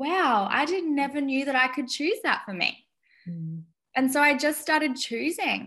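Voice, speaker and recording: A woman's high, bright, sharp voice at a moderate pace, with very wide pitch swings over a quiet background. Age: 30s. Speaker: transformational coach. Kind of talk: interview.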